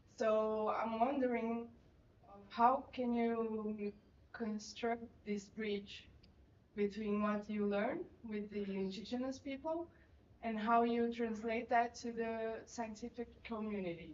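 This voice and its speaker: A woman's fairly high voice with a non-native accent, fairly even intonation, and a very slow pace. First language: Portuguese. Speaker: audience member. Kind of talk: question from audience. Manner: hesitant.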